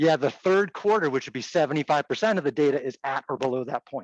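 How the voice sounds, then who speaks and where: A fairly high-pitched man, dry and close with no echo, over a quiet background. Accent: Rhode Island. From US Northeast, Rhode Island. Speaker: math instructor. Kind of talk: lecture. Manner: casual, conversational.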